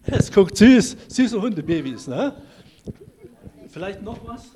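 Lebhafter Pfarrer mit Handmikrofon. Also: male voice, sits high, slow pace. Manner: lively, questioning, addresses the congregation directly. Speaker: pastor. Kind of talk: children's sermon and sermon. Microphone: handheld microphone.

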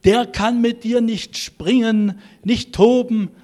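A man's voice: extremely high pitch, fairly even intonation, takes it slowly, mellow, pitched above the performer's own voice. A man voicing a well-meaning middle-aged pet shop owner, speaking kindly and persuasively in a sermon story.

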